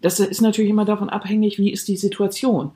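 A woman co-host with a mid-range voice talks in lively, unscripted podcast chat. She teases her partner, cuts in, and acts out everyday examples. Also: mid-range voice, fast.

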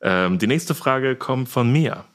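A man's voice: medium pitch, lively intonation, takes it slowly, a bit bright. A man hosting a podcast quiz in a casual style, reading out questions and scores. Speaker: quizmaster.

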